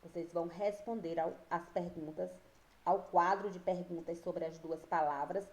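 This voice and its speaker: A woman teacher, giving a slow and patient reading and spelling lesson to young children, often checking whether they follow. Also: fairly low pitch, steady tone, darkish tone, roomy sound. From Brazil. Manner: slow, patient, drawn-out words, frequent checks with pupils. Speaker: primary school teacher.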